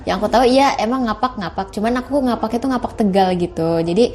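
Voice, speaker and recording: A woman's voice: fairly high pitch, fast, a little mellow. A young woman, a university student, chatting casually as a podcast guest and laughing through her stories. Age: young adult. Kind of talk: casual chat.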